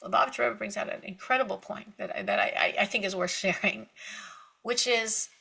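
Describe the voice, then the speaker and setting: Bright, gravelly woman teaching Torah. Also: mid-range voice, brisk. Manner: animated storytelling with emphatic repetition; laughs lightly between points. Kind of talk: spiritual lecture to women.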